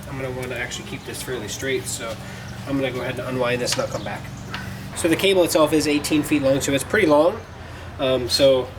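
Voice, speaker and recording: Male DIY host, medium pitch, talking casually through hands-on car work, folksy, recorded at a distance over noticeable vehicle noise. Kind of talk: casual how-to narration while working. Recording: distant mic, clearly noisy, vehicle ambience.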